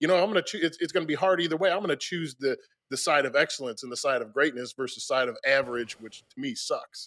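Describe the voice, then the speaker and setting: A man with an American accent, a fairly high pitch, ordinary pitch variation and a fairly quick pace, an ordinary speaking voice, dry and close with no echo, on a very clean recording with a silent background. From Michigan. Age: 30s. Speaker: bodybuilder and coach. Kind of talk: casual chat.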